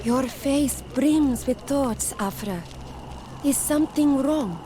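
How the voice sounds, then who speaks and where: A serene, patient tribal woman in a fantasy game. Her voice is soft-toned and mellow, gently formal, over background ambience. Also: high voice, slow, slight background noise.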